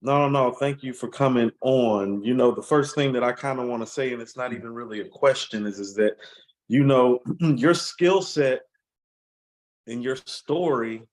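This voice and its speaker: A man's voice: medium pitch, normal speed, low-quality recording. A man hosting a casual interview who asks long, winding questions with "you know" fillers. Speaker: interview host.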